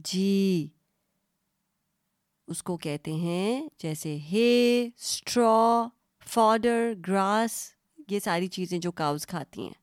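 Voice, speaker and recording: A woman's voice: medium pitch, smooth, no room sound, clean studio sound. A woman hosting a children's story podcast, telling stories and quizzing young listeners in a friendly, teacherly way that mixes Urdu and English.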